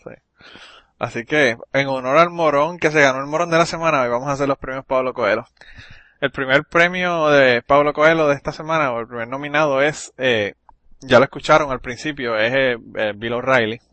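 A man hosting a podcast, talking in quick, joking bursts with a bright, forward tone. The recording is dry, with little room sound around him. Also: medium pitch, no room sound. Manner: joking, laughs often, talks fast in bursts. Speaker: podcast host. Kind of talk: casual podcast chat.

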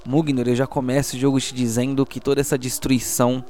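A man's voice: mid-range voice, level tone, fairly quick, a little mellow, slight background noise. A man with a Brazilian accent, working as game master and narrating a tabletop RPG audio drama in a theatrical, storytelling way. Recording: music behind the voice. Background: soundtrack music.

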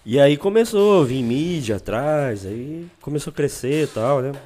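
A young Brazilian man, speaking as a guest, spins a long road trip story in casual slang. His pitch rises and falls widely, and he slips into quick impressions of the people in the tale. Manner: lively slangy storyteller, acts out quotes.

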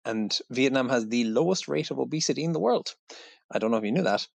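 A man's voice: mid-range voice, expressive, fast, gravelly, no room sound. An Irish man, a fitness coach, answering interview questions thoughtfully, with frequent restarts and asides. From Ireland. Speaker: fitness coach, podcast guest.

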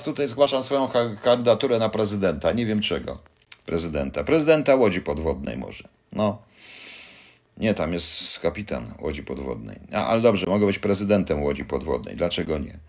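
An older man hosting a casual live chat, rambling and joking as he answers viewers' questions. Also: on the low side. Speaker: livestream host answering viewers.

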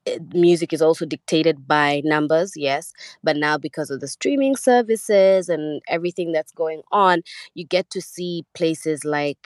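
A young woman from Kenya, a musician guest speaking casually over a remote call, rambling with restarts and soft laughs. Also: low voice, unhurried, no room sound, clean studio sound. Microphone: remote call audio.

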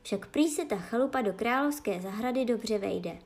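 A steady coachman delivers a message slowly and formally, as a woman reads him. He sounds measured and respectful, a fairy-tale carter. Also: fairly high pitch.

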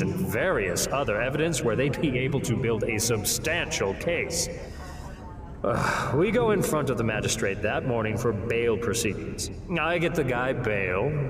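An actor playing a smooth-talking demon who works as a defense lawyer, telling his story in a theatrical, wry way for an audio drama. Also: medium pitch. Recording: reverberant hall, music underneath.

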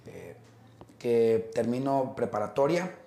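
A middle-aged man, talking as an interview guest. His pitch sits in a middle register, and his stories ramble along with fillers and restarts. The room around him is echoey. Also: slow, gravelly. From Mexico. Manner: relaxed, rambling storytelling with many fillers and restarts. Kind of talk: casual interview conversation.

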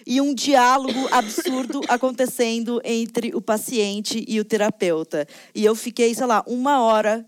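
A woman co-host chats about recommendations in an easygoing, rambling way, laughing as she goes. Her voice sits a bit high and sounds dry and close to the mic. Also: fairly even intonation, measured pace, few pauses, no room sound. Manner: chatty, laughs often, lots of fillers. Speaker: podcast co-host. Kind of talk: casual chat.

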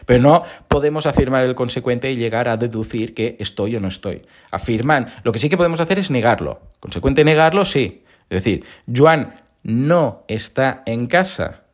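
Male podcast host, animated, pitch swings widely, slightly hoarse, talks straight to listeners. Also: normal speed. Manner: lively, animated explaining with rhetorical questions. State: recovering from hoarseness. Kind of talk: casual explanatory monologue.

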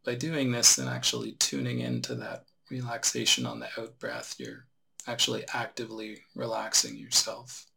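A man guiding a relaxation meditation as a teacher, giving unhurried instructions with long pauses. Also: lowish voice, big pitch swings, vocal fry, pushed and bright, slight background noise, rough recording.

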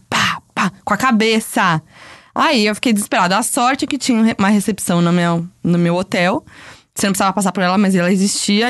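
Expressive Brazilian woman, dry close sound. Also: medium pitch, dry recording. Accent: Brazilian Portuguese. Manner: expressive and easily spooked, quick exclamations. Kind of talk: casual storytelling chat.

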